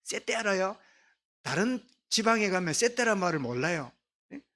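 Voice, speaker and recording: A middle-aged pastor from Gyeongsang with a Gyeongsang Korean accent, preaching a sermon in a soft-spoken way and drawing his congregation into responses. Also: high voice, big pitch swings, normal speed. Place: church sanctuary.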